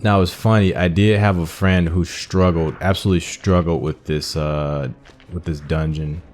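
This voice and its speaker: A man's voice: low voice, steady tone, normal speed, a little mellow. A man giving casual gameplay commentary as a video host, informally thinking aloud as he plays. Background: game music.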